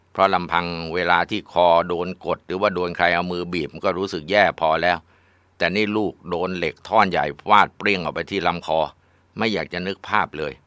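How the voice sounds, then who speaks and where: A man's voice: low-pitched, pushed and bright, no room sound. A man casually narrating a ghost story in a conversational way.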